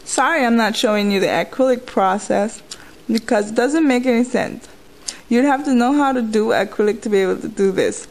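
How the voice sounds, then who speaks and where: A woman's voice: a little high, normal speed, rough recording. A woman chewing gum while she talks, giving an informal, step-by-step nail tutorial in a conversational way. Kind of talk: casual hands-on tutorial talk.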